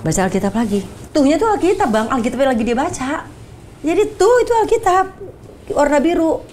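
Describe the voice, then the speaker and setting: Lively woman. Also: brisk, a little hiss or hum. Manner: animated storytelling, acting out quotes in a high voice. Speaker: guest giving a testimony. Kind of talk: casual interview testimony.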